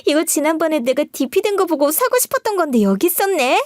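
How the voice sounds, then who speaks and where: A woman's voice: high voice, animated, fast talker, no echo, studio quality, voice pushed up. A woman voicing a brash young sister-in-law who talks in a whiny, wheedling and pushy way. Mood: gushing.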